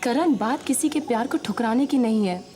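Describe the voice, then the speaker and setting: An actress playing a cautious young woman who gently turns down love, in a TV serial drama. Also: fairly high pitch, expressive, moderate pace, soft background music, natural voice. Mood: gentle. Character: guarded young woman, Rakshanda.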